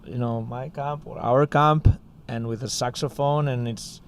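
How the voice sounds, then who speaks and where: A man with a Spanish accent tells a story in a casual podcast chat, filling his sentences with "you know" and "like." His voice sits at an ordinary middle pitch. A faint noise hangs under the recording. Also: fairly even intonation, a little slow. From Spain. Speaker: co-founder of a music school.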